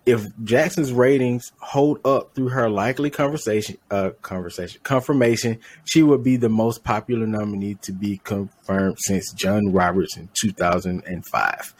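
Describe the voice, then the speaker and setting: A man's voice: fairly low pitch, moderate pace, hardly any pauses. A man co-hosting a podcast in casual chat, rambling and correcting his own slips with a laugh. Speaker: podcast co-host.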